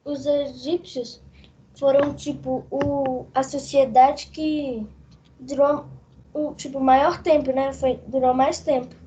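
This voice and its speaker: A woman's voice: high-pitched, flat delivery, slow, dark tone, muffled recording, slight background noise. A female student asking her teacher a hesitant question in class, searching for words.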